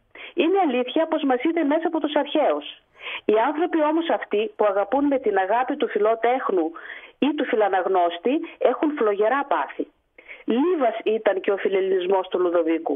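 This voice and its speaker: Holding her loudness very even, a woman speaks at a high pitch with very wide pitch swings. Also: moderate pace. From Greece, Thessaly (Trikala). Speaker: author and archaeologist. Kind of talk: interview.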